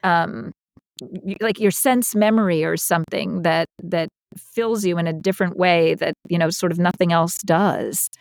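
A woman chatting casually as an interview guest, talking in an animated, expressive way that wanders off on tangents. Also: fairly low pitch, normal speed, creaky, dry recording. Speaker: guest, audiobook narrator and acting coach.

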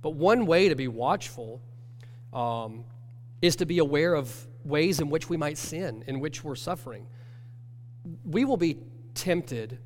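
A man, nasal from a cold, teaching a church class in an earnest, measured way. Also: a little high, animated. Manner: earnest, measured, self-correcting. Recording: long hall reverb with faint hum.

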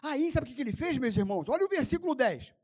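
Man, preacher, sermon, dramatic, shouts and quiet asides, rhetorical questions. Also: very high voice, very animated, fast. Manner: dramatic, swings from loud shouts to soft asides; addresses listeners as brothers, asks rhetorical questions.

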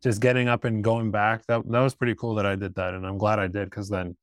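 A man in his thirties from Peru, a guest telling his story in a casual interview, relaxed and rambling with restarts. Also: lowish voice, fast talker, no room sound, studio quality. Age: 30s. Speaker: guest, startup founder.

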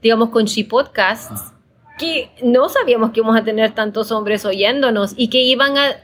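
A woman's voice: on the high side, moderate pace, a bit bright. A woman from El Salvador, a podcast producer, talking as a guest in a conversational interview, thoughtful and often checking in with the listener. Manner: thoughtful, repeats words, frequent tag questions.

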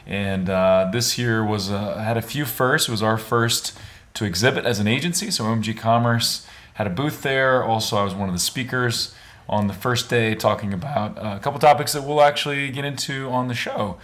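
A man hosting a podcast in a casual, upbeat way, his voice a bit raspy from days of talking at a conference. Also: medium pitch, normal speed, a bit bright. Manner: upbeat, conversational, with frequent fillers. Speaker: podcast host. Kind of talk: casual podcast chat with read ad. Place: on location at a conference.

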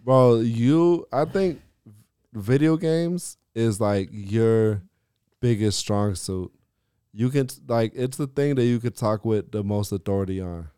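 Smooth-voiced teasing man. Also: mid-range voice, slow, warm tone, no room sound, studio quality. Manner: teasing, blunt, swears casually. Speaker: podcast co-host. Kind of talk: casual chat.

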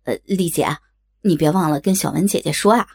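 A woman doing a raspy, pushy middle-aged businessman. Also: fairly low pitch, brisk, darkish tone, pitched below the performer's own voice. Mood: pleading.

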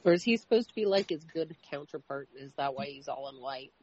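A man's voice: fairly high pitch, lively intonation, a little fast, a little mellow. A man co-hosting a movie podcast who asks questions about the film and chats candidly. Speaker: podcast co-host. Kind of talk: casual movie riff chat. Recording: dull lo-fi audio with film playing.

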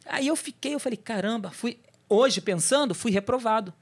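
A man's voice: extremely high pitch, lively intonation, moderate pace, breathy edge. A man sharing a personal testimony on a church talk show, telling the story with energy and acting out the voices of people in it.

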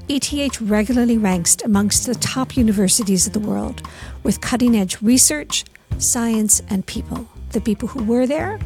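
Gravelly, high-pitched woman hosting a podcast. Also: a little mellow. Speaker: podcast host and interviewer. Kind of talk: interview questions and podcast narration.

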